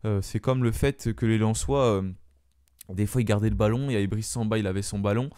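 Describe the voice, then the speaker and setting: Man, match debrief, hesitant with fillers, smooth voice, dry close sound. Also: on the low side, a little fast, dark tone, no room sound. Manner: hesitant, many fillers and restarts. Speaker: fan channel host.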